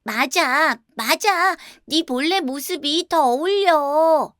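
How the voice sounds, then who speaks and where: A woman voicing small, wide-eyed forest birds with a frank, exclaiming, expressive storybook delivery. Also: high-pitched, slow, no room sound, studio quality, pitched above the performer's own voice, exaggerated voice. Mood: agreeing.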